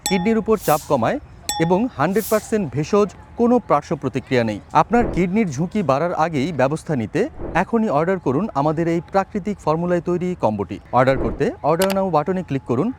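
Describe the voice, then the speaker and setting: A man's voice: a little high, expressive, quick pace, a little hiss or hum. A man reads a scripted health product promotion as a voice-over artist, enunciating persuasively.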